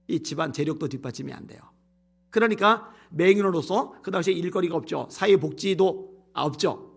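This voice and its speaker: A male pastor preaching a sermon, reading scripture aloud and explaining it in a plain, conversational way, with a strained voice from bronchial trouble. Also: high-pitched. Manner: reads scripture loudly, then explains in plain conversational asides.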